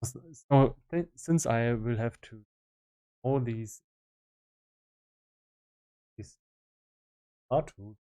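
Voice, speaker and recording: A man giving casual live-stream commentary as a game developer, explaining his work in halting fragments as he thinks aloud. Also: mid-range voice, dark tone, smooth.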